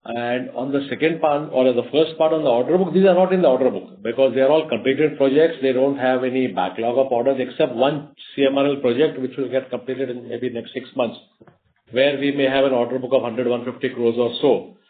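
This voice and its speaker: A man's voice: mid-range voice, fairly quick. A man with an Indian accent speaks as a company executive on an earnings call. His delivery is unscripted and explanatory, with repeated phrases. The sound is a narrow, muffled conference phone line. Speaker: company executive answering investor questions.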